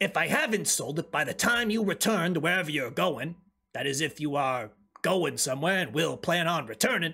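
A man puts on a character voice, high in pitch, at a moderate pace. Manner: friendly, homespun salesman.

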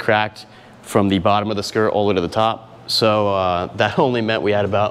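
At a fairly quick pace, a man speaks in a normal speaking voice with a fairly low pitch. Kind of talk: interview answer. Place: hall.

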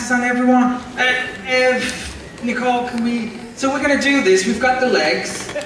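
A man speaks at an extremely high pitch with fairly even intonation. Light background noise and audible room echo surround him. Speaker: festival programmer. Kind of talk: stage introduction. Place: hall. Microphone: pa.

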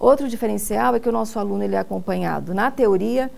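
Speaking very fast, a woman talks with a fairly high pitch. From São Paulo city, Brazil; Brazil. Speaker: nursing professor. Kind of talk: studio interview. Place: studio. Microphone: lapel.

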